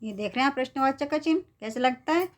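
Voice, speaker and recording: A woman teacher with a high-pitched voice and quick pace patiently explains a lesson to young students. She checks in with them often, repeating "theek hai" to make sure they understand.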